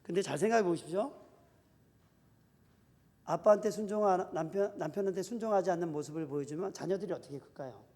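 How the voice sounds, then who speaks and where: A male pastor preaching an animated sermon in a church, acting out quoted husbands and wives as he goes. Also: sits high, quick pace, long pauses. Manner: animated preaching, acts out spouses' quarrels in quoted voices. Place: church sanctuary. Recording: reverberant church hall.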